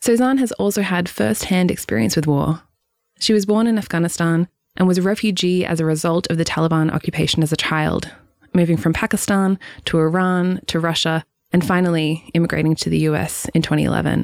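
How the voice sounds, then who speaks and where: Fairly low in pitch with ordinary pitch variation, a woman talks in a normal speaking voice. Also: fairly quick pace, very even loudness. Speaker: executive producer. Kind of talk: scripted narration.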